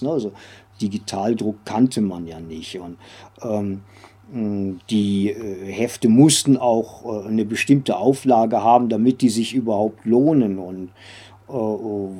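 An older man recalling his working life as an interview guest, halting and digressive, often adding little tag questions. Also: medium pitch, warm tone, husky. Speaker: interview guest, former comics publisher and editor. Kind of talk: conversational interview recollection.

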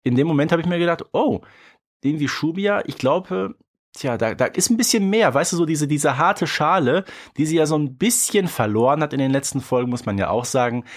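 A man's voice: a little high, expressive, fairly quick. A man bantering casually as a podcast host, reviewing in conversation.

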